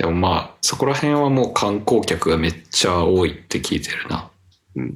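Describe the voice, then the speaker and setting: Speaking at a moderate pace, a man with a fairly low pitch makes very wide pitch swings. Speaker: podcast co-host. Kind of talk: casual chat.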